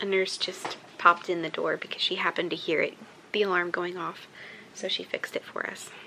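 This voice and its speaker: A woman talks at a fairly quick pace. There is light background noise. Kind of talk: casual vlog chat. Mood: anxious, worried. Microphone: phone near.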